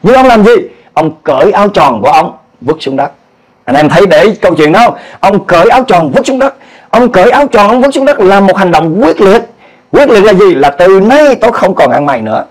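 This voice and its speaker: A man preaching a sermon as pastor, with a Southern Vietnamese accent, animated, asking the congregation questions and acting out quoted cries. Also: high-pitched, a little fast, poor audio.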